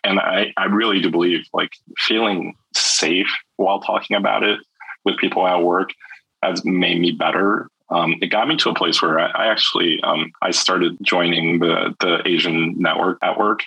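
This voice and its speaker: A young man from China speaks candidly as an interview guest, voice very low and forward with a husky grain. He talks haltingly, restarting sentences and leaning on fillers. The sound is close and dry. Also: fairly even intonation, sharp tone, dry recording, poor audio.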